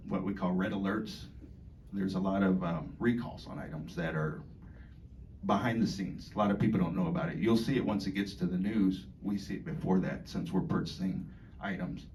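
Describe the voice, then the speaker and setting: A man with a deep voice speaks to residents in an unscripted, halting way, filling gaps with ums and restarting his sentences. He sounds distant from the microphone. Faint noise sits underneath. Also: a little mellow. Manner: halting, many fillers and restarts, laughs between points. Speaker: dining staff member speaking to residents. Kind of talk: informal speech to an audience. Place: community hall. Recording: far from the mic, faint background noise.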